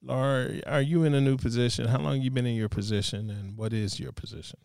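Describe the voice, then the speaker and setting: A man hosting a casual studio chat, playful and quick to laugh. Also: mid-range voice, gravelly, no echo. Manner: playful, laughs often, lively banter. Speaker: show host.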